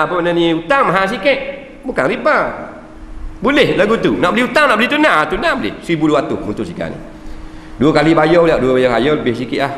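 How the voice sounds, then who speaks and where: A man's voice: fairly high pitch, a little hiss or hum. A man with a Malaysian Malay accent giving a religious lecture, joking and often checking with his listeners. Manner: lively, jokey, checks the audience with frequent 'ha', 'nah', 'nampak?'. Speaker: religious teacher. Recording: echoey hall with long reverb, faint ambience.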